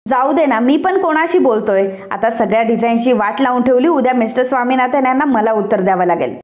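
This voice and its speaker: A woman's voice: a little high, expressive, a little fast, darkish tone, reverberant, lightly acted. A woman voicing a stern, irritable young businessman in a retold TV serial, with a scolding manner. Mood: angry.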